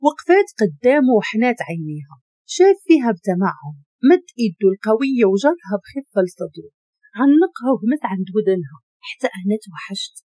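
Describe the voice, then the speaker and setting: Expressive Moroccan woman storyteller. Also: fairly high pitch, brisk, dry recording. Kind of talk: scripted story narration.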